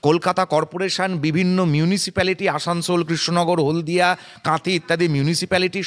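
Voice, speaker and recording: A man with a Bengali accent speaks in a fairly high voice, firing off rhetorical challenges one after another. His statement is emphatic and combative, in the manner of a political spokesperson. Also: fairly bright tone. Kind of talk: press statement.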